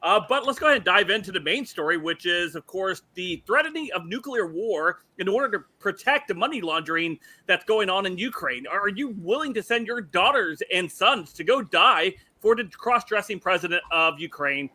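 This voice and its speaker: A man's voice: sits high, lively intonation, normal speed, hardly any pauses, sharp tone. A man hosting a podcast, opening stories in a punchy, provocative way. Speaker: podcast host. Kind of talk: opinionated show hosting.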